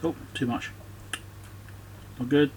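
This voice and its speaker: This man narrates his own electronics repair video slowly, in a mid-range, steady, slightly mellow voice, muttering to himself and reasoning aloud in a casual, hands-on way. The recording is rough, with clear background noise.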